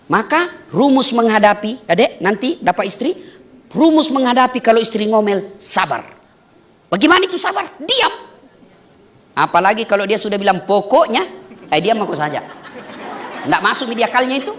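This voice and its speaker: A male preacher delivers a wedding sermon in a bright, forceful voice. His pitch swings widely as he jokes, poses questions and answers them himself. The delivery stays animated throughout. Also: moderate pace. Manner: animated, joking, asks and answers own questions.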